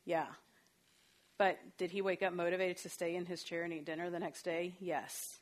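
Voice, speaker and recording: A woman's voice: fairly low pitch, level tone, moderate pace. A woman counselor giving a talk on parenting, conversational and storytelling, with fillers and asides. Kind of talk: parenting talk with personal anecdotes.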